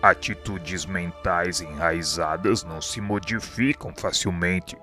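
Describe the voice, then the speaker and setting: Radio drama spirit mentor played by a man: Brazilian, deep, crisp-edged bright tone, dignified, formal and instructive. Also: faint music behind, full character voice. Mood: solemn, instructive. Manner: formal, measured, lecturing. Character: wise, dignified male spirit instructor, solemn and helpful. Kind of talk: solemn didactic radio drama acting.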